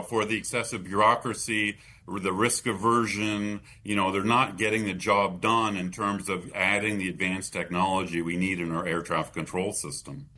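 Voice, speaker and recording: Man, North American accent, expert interview guest, lowish pitch, sharp forceful tone, halting delivery. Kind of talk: interview answers, explanatory.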